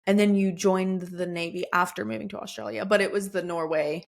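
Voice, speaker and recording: A woman's voice: medium pitch, fairly even intonation, fairly quick, vocal fry. A woman hosting a podcast in a bubbly, chatty way, laughing often and using many likes and ums. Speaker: podcast host. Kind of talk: casual interview chat.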